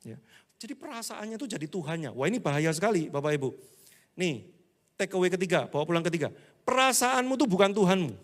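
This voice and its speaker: Lively joking pastor, a man. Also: sits high, quick pace. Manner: humorous, acts out church members' complaints; animated, with swings between loud and hushed. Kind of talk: casual sermon to a congregation.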